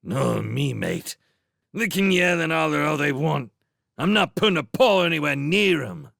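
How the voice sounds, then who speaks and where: A man's voice: on the high side, sing-song, moderate pace, a bit bright, no room sound, clean studio sound, voice pushed up, full character voice. A man voicing two surly male rat guards in an audiobook, with coarse, blustering talk. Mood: fearful. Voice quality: gravelly, rough-edged. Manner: blustering, threatening, coarse slang. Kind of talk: audiobook character voice.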